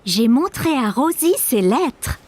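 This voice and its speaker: A woman's voice: a little high, sing-song, slow, a little mellow, a little hiss or hum. A woman voicing a kind, caring young mother in a children's cartoon, tender and cheerful as she explains.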